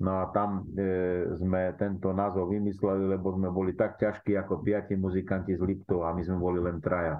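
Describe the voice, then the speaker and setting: A man speaks at a very deep, low pitch in a monotone, flat intonation. His moderate pace has hardly any pauses, and his loudness stays very even. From Slovakia, Terchová. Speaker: folk musician and singer, teacher. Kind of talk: radio interview. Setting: video call. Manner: talkative.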